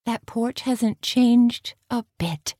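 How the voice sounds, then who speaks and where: A woman giving voice to a cheerful grown woman revisiting the camp of her youth. She talks in a light, bright tone, softly wistful, somewhat higher than the plain narration. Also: slow pace, dry recording, studio quality.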